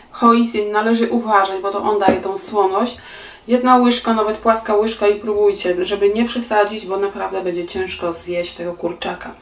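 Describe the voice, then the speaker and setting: Woman, 40s, cooking host; calm step-by-step explainer, recorded at a distance in an echoey home kitchen. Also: mid-range voice. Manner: calm step-by-step explaining, addresses viewers politely. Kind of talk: recipe instructions. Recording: roomy kitchen echo, voice a bit distant.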